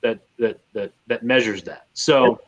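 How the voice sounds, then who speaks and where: Man, medium pitch, sports podcast co-host, casual conversational delivery, emphatic repetition. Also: fairly even intonation, a little slow, muffled recording.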